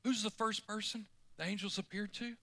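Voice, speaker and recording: A male pastor preaching a folksy, animated sermon, often climbing suddenly to loud emphasis. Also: sits high, fairly quick, creaky, dry recording.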